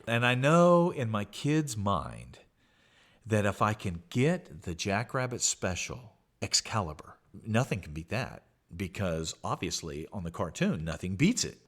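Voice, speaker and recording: A man hosting a podcast, telling a story with animated delivery and acted-out childhood voices. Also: on the low side. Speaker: podcast host.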